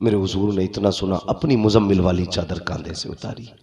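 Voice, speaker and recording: A man preaching a sermon, telling a story, moving from hushed narration to shouted passages. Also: deep voice, brisk. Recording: roomy gathering with crowd. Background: congregation responding.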